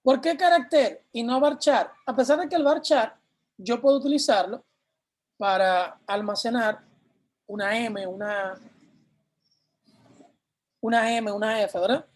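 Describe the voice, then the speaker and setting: A man's voice: very high voice, measured pace, pauses often. A man teaching a programming class, explaining step by step and answering his own questions as he goes. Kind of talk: live class explaining code on screen.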